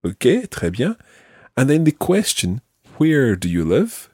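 A man hosting a podcast language lesson, modelling phrases slowly and clearly for a learner. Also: mid-range voice, huge pitch swings, warm tone, dry recording, studio quality. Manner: slow, clear teaching delivery with drawn-out model phrases. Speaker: language teacher and podcast host.

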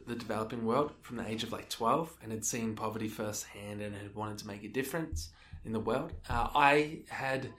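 An Australian man of thirty answers interview questions in a loose, conversational way. His voice sits at a medium pitch. It sounds roomy and set back from the microphone. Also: fairly bright tone. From Melbourne, Australia. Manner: informal, conversational, peppered with "like" and "you know". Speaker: interview guest, social enterprise co-founder. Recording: echoey room, distant from the mic.

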